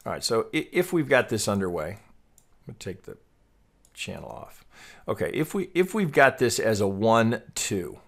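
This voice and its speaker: Low-voiced man, halting chart commentary. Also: big pitch swings, fairly bright tone. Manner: halting, thinking aloud, repeats words. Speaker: trading analyst and host. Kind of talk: off-the-cuff chart tutorial commentary.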